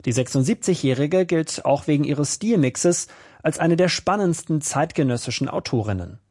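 A man's voice: on the high side, animated, moderate pace, darkish tone, husky. A man reading a scripted culture report for the news in a composed way. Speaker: culture correspondent.

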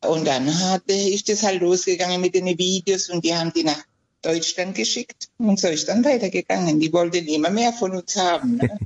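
A woman in her seventies, born in Italy, talks in a chatty, hesitant way, often stopping on fillers. Her voice sits at a middle pitch and is slightly husky. The line sounds dull and lo-fi. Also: moderate pace. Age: 70s. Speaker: interview guest. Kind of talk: casual interview answers.

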